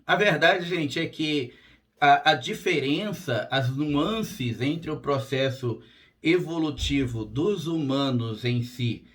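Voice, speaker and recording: A hoarse man hosting his own channel as a spiritual therapist, talking straight to camera in a plain, direct way, often checking in with his listeners. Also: fairly high pitch, slow, a bit bright. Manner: direct and plain-spoken, frequent "tá?" check-ins. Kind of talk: casual monologue to camera.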